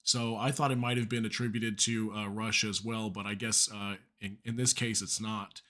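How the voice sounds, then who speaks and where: This online news host speaks on the lower side at normal speed, flat and sharp in tone, as he reads articles aloud for casual commentary. His voice is going because he's sick, and he chats along with lots of fillers and asides.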